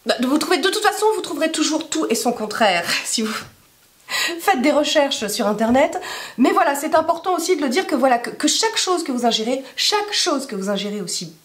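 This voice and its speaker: A woman with a hoarse smoker's rasp being sick, chatting casually to camera in a rambling, self-deprecating way full of asides. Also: high-pitched, big pitch swings, a little fast. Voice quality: raspy smoker's rasp from illness. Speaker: YouTube vlogger.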